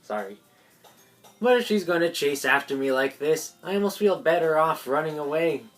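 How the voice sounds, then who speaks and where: A woman's voice: low-pitched, animated, normal speed, soft background music. A woman doing an amateur read-aloud narration of a visual novel with asides, stumbling over lines and correcting herself. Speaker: video creator voicing a visual novel.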